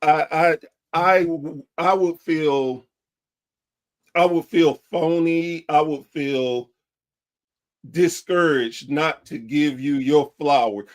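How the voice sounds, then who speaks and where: A man hosting a podcast, praising his guest with many halting restarts. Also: mid-range voice. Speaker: podcast host. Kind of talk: casual interview talk.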